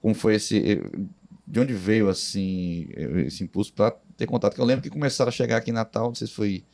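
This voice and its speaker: A podcast host with a low, gravelly voice puts his questions haltingly, pausing to find the next word. He sounds unhurried and informal, as if talking across a table. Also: darkish tone. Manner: hesitant, searching for words. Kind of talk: interview questions.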